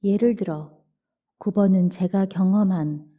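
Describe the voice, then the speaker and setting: A woman reading a book aloud as a calm bedtime narration, in a soft, gentle voice that sometimes drops close to a whisper. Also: medium pitch, measured pace. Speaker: audiobook narrator. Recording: dull lo-fi audio.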